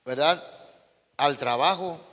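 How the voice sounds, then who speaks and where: Bright-voiced preacher in an echoing hall. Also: male voice, fairly high pitch, takes it slowly. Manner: storytelling with rhetorical questions to the congregation. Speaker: pastor. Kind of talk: sermon.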